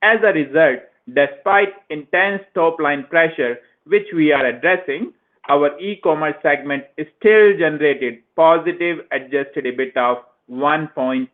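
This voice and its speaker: A man, a finance executive, formally reading scripted remarks on an earnings conference call. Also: on the high side. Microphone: conference call phone line. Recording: tinny narrowband phone line.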